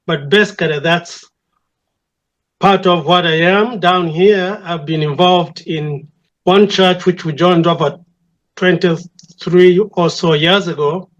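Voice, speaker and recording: An older man with a Ugandan accent, a church elder speaking reflectively and deliberately as an interview guest, repeating phrases for emphasis. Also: sits high, fairly even intonation, dull audio. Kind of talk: reflective conversation.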